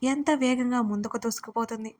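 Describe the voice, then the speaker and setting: A woman's voice: on the high side, fairly quick. A young woman narrating a first-person audio story expressively. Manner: expressive, pleading in dialogue.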